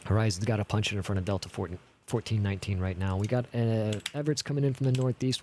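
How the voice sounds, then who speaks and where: Lowish and a little mellow, the man's voice carries a casual, think-aloud commentary as he streams an air traffic control sim. He leans on radio-style jargon and swears occasionally, while keyboard typing and clicks come through clearly behind him.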